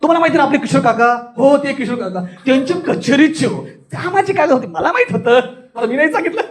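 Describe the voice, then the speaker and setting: A very high-pitched, giggly gossip from next door, acted out by a man. The words keep tumbling into laughter, as if the silly tale is too delicious to tell straight. It is a playful stage demonstration of comedy. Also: lively intonation, extremely slow, full character voice. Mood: giggling, amused. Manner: breaking into laughter while talking.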